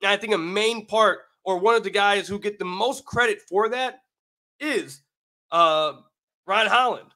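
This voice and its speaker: A man's voice: sits high, unhurried, sharp tone. An American man hosting a sports podcast, talking emphatically with repeated phrases, his voice slightly raggedy from being sick. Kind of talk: solo basketball commentary with sponsor read.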